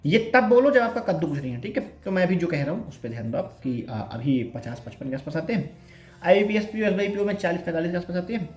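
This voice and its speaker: A man's voice: sits high, very animated, quick pace, darkish tone, roomy sound. A young man chatting casually to viewers with self-mocking humor, giving study advice as an exam aspirant. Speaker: bank exam aspirant vlogger.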